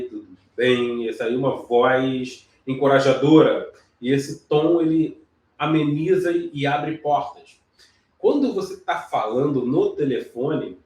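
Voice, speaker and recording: A man teaching real estate agents sales technique, explaining step by step and checking in often with short questions. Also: on the high side. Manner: explanatory, frequent check-ins like "ok?" and "certo?", some restarts. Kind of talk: sales training lesson. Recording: echoey room, voice from some distance.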